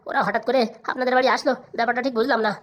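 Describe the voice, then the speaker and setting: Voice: mid-range voice, level tone, rapid-fire, dull audio, lightly acted. A performer voicing a crafty, fawning lawyer in a comedy cartoon, obsequious and reassuring. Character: fawning, crafty lawyer advising his madam.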